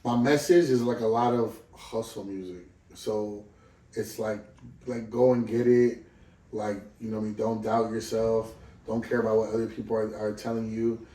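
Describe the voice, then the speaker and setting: A man's voice: on the low side, flat delivery, normal speed, warm tone, reverberant, distant mic, rough recording. A man in his thirties from Southern California, a guest musician chatting casually, rambling and swearing freely with lots of "you know what I mean". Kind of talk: casual interview chat.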